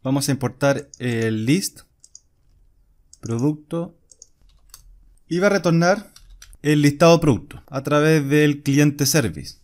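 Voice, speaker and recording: A man's voice: on the high side, takes it slowly, long pauses, a little mellow. A man, explaining a coding screencast step by step while he types. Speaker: programming instructor. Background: keyboard typing and clicks.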